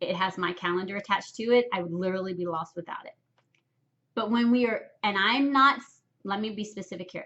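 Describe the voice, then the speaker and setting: Speaking very fast yet with long, frequent pauses, a woman with a slight Southern US accent uses a medium pitch, ordinary pitch variation, big swings in loudness and a bright, sharp tone. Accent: slight Southern twang. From US South. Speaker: wealth coach. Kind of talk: tutorial. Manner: animated.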